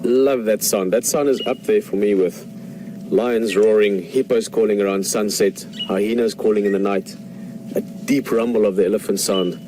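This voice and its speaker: A man's voice: on the low side, steady tone, normal speed, dark tone. A man with a South African accent, an Afrikaans speaker, giving enthusiastic live safari commentary from an open vehicle, chatting to viewers. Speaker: safari guide. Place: outdoors, open game-drive vehicle in the bush. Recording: outdoor noise, vehicle and birds.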